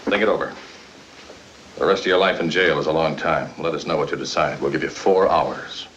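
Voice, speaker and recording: A cold, pressing lawman talks in a very deep, flat voice. His words are measured and menacing. The old soundtrack is dull, with faint noise behind. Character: stern man of the law, cold and pressing.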